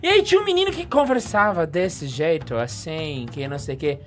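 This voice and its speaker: Fast, animated Brazilian man. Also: fairly high pitch, faint music behind. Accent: Brazilian Portuguese. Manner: animated, quick, teasing questions. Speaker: podcast host reading live-chat messages. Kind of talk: casual chat.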